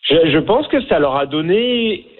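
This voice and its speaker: A man's voice: fairly high pitch, expressive, measured pace. A middle-aged man from France with a French accent, a documentary filmmaker talking in a radio interview, hesitant with many fillers and restarts. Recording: tinny phone line.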